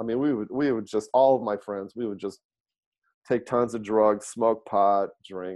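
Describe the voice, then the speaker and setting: A man with an unremarkable speaking voice, fairly low in pitch, at a fairly slow pace with fairly even intonation, against a quiet background. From US Midwest (Detroit, Michigan). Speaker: real estate broker and motivational speaker. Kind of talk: interview.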